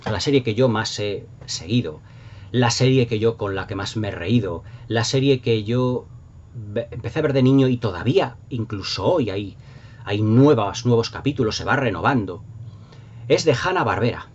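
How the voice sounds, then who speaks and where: A man's voice: on the low side, animated, normal speed, slightly rough, lo-fi sound. A middle-aged man with a Castilian Spanish accent hosting a casual, unscripted nostalgic review, enthusiastic and rambling, repeating words for emphasis. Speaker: video channel host.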